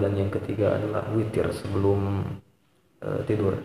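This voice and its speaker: Speaking with a West Javanese accent, a man talks at a moderate pace in a fairly low voice. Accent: Sundanese. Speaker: Islamic religious teacher. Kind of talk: religious lecture on hadith.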